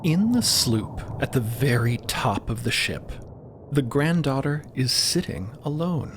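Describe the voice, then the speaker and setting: Slow-paced man narrating over background noise. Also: medium pitch, sing-song. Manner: deliberate, atmospheric. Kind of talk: dramatic scripted narration. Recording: clear background noise, ambience.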